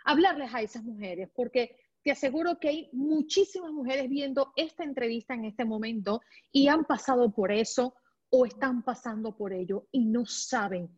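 High-voiced woman interviewer, muffled sound. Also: normal speed, a little mellow, breathy edge. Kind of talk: interview questions.

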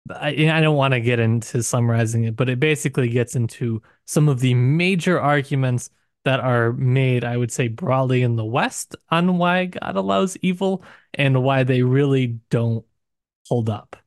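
A male podcast co-host with a mid-range voice talks at normal speed, casually and thoughtfully working through books while qualifying his points. The recording is dry and clean, studio-like.

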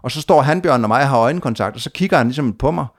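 A man with an ordinary mid-range voice tells a long travel story in casual conversation. He keeps it animated, restarting sentences and doubling up words as the tale rolls on. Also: medium pitch. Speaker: guest adventurer telling a trip story.

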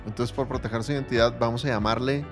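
A man co-hosts a casual advice podcast. He talks in a loose, slangy way, calls the listener compadre, and tells stories as he goes. A soft music bed plays underneath. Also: medium pitch, quick pace. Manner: animated storytelling, calls listener brother and compadre. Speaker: podcast co-host.

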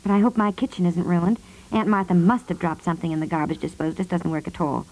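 An actress playing a sensible, gently scolding wife in a 1950s radio comedy, composed and motherly in manner. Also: fairly low pitch, fairly even intonation, quick pace, low-quality recording. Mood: soothing.

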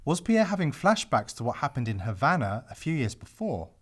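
A man's voice: medium pitch, sing-song, brisk, slightly rough. A male podcast host reading scripted commentary with a dramatic delivery and sarcastic asides.

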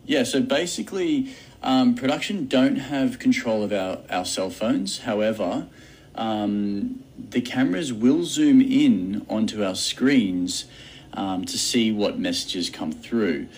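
A man leaving a casual voice message, talking hesitantly in a husky voice. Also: on the low side, animated, slow pace, a little mellow, poor audio. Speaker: guest answering by voice message.

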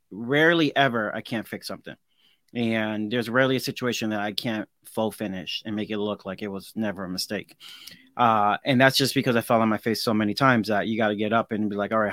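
A man's voice: fairly low pitch, fast, a bit bright, dry recording. A man in his forties, a guest craftsman in a casual interview, talking earnestly and reflectively and often restarting his sentences. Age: 40s.

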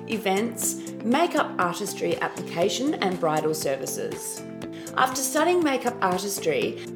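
An Australian woman hosting a podcast and interviewing a guest, reading a scripted intro and then chatting. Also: mid-range voice. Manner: warm, scripted intro then easy chat. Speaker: podcast host, business coach. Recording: music bed behind voice.

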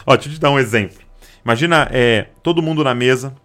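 A man's voice: mid-range voice, fast, fairly bright tone. A man with a Brazilian Portuguese accent preaching a sermon, emphatic, repeating key lines and acting out the people in his stories. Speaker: pastor.

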